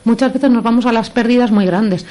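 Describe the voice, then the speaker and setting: A woman's voice: on the high side, a little fast, mellow. A woman psychologist explaining things on a radio talk show, using everyday examples. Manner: explanatory, gives examples with quoted phrases. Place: radio studio.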